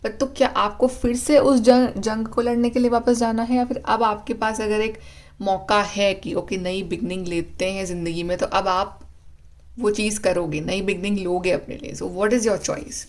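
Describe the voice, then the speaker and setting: A woman's voice: medium pitch, fairly even intonation, moderate pace. A woman giving a spiritual tarot reading, talking earnestly in a coaching manner and mixing Hindi with English. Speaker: tarot reader.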